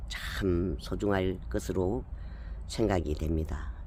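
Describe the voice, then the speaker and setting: A man's very slow delivery with very wide pitch swings and audible room echo. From Gyeongsang region, South Korea. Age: 60s. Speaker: gardening vlogger and counselor. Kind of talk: vlog narration. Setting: outdoors.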